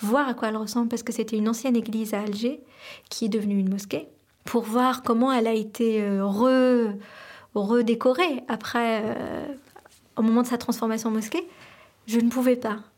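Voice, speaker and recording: A woman speaks at a moderate pace, her fairly high pitch held in fairly even intonation. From Algeria. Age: 20s. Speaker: student. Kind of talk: testimony. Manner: halting, with many fillers.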